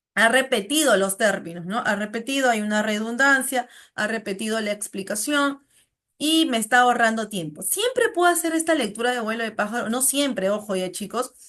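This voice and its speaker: Against a quiet background, a woman talks at a moderate pace in a fairly high pitch, her tone bright, sharp and animated, her intonation lively. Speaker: teacher. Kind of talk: online class lecture.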